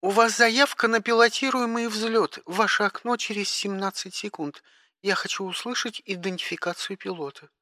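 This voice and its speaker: A man's voice: high-pitched, normal speed, sharp tone, no echo, studio quality, pitched above the performer's own voice. A man voicing a prim, formal female spaceport dispatcher who speaks with icy courtesy. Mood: officious.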